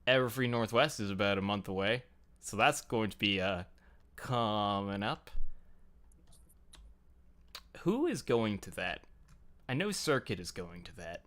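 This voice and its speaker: A man's voice: fairly low pitch, animated, unhurried, long pauses, fairly bright tone. A man hosting a casual group chat on a livestream, talking in a rambling, jokey, self-deprecating way. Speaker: host of a fan livestream talk show. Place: home computer setup, online group call. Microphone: headset.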